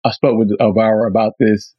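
Raspy flu-worn man, flat low voice. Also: brisk, dry recording, dull audio. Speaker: podcast co-host and audio engineer. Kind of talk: casual podcast chat.

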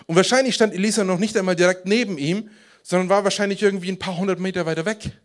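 A man preaching a casual, animated sermon as pastor, acting out voices and dropping to quiet, intense prayer tones. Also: high-pitched, fast.

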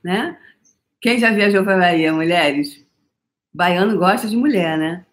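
Playful animated Brazilian woman live-streaming. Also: lowish voice, takes it slowly. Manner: animated, playful, laughs often, repeats incantation-like phrases. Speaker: live stream host leading a workshop. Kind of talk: casual spiritual coaching live stream.

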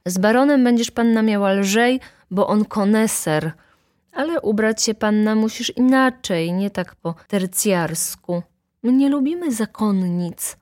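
A woman's voice: medium pitch, measured pace, a little mellow, dry recording, studio quality, pitched above the performer's own voice, natural voice. A woman voicing an insolent, pompous male valet who orders people about in a haughty, commanding way.

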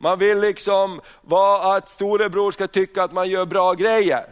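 A man with a notably high-pitched voice delivers a sermon. He talks in loose bursts, stumbling over and repeating words as he restarts sentences, and often throws rhetorical questions at his listeners. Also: little pitch movement, smooth. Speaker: preacher.

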